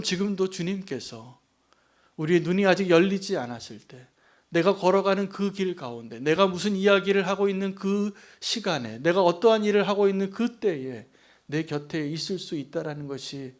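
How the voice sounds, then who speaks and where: Earnest Korean pastor preaching a sermon. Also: male voice, on the high side. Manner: earnest, rising to emphatic peaks, dropping soft on asides.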